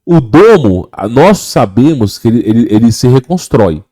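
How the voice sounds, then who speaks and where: A man's voice: mid-range voice, very animated, normal speed, mellow. A Brazilian man giving an impassioned religious talk, driving his points home by repeating phrases again and again. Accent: Brazilian Portuguese. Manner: emphatic, repeats phrases, acts out quoted voices. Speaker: online religious speaker.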